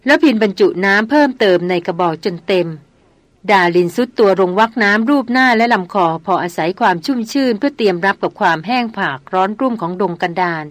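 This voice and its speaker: A woman narrating a novel as an audiobook in a measured, even storytelling manner. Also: medium pitch, dry recording.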